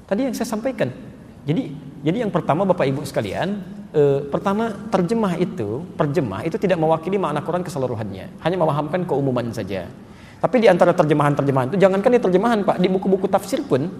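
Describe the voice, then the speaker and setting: A man preaching a sermon, telling stories with loud emphatic peaks and dropping soft for prayers. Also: high voice, a little hiss or hum. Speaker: Islamic preacher. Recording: live talk in a reverberant hall with faint ambience.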